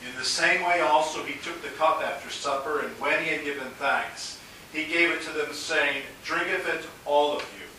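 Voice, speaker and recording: A man serving as pastor, reciting a solemn liturgical prayer at a measured pace in a large church with a cathedral echo. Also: fairly high pitch, pushed and bright. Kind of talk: liturgical prayer and words of institution. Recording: cathedral echo, distant mic, faint hiss.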